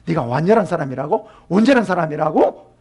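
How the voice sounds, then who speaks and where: Man doing a self-righteous scolding friend, hectoring, high and gravelly. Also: very animated, darkish tone, heavily acted. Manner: hectoring, impatient, rapid-fire rhetorical questions.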